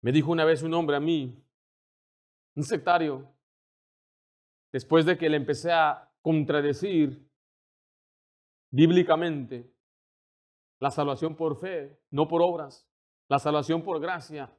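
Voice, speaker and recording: A man with a high-pitched voice delivers a sermon as a pastor. He builds in intensity as he goes and slips into the voices of the people he quotes. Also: steady tone, takes it slowly, long pauses, a little mellow. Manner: preaching with rising intensity, acting out quoted dialogue.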